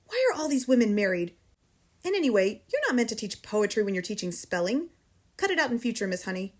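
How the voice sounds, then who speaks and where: A woman's voice: fairly high pitch, sing-song, fairly quick. A woman voicing a huge, cruel headmistress who barks, snorts and thunders with sarcasm. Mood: scornful. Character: huge tyrannical female headmistress, cruel, bullying.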